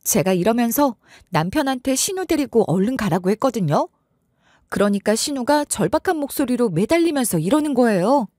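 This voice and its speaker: Brief: expressive female storyteller, slightly high voice, first-person narration. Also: fairly quick, dry recording, studio quality.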